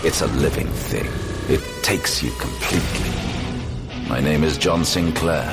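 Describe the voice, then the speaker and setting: A male actor playing a brooding supernatural police detective in an audio drama, grave and ominous, with a gravelly voice. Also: a bass voice, a little slow. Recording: loud theme music behind.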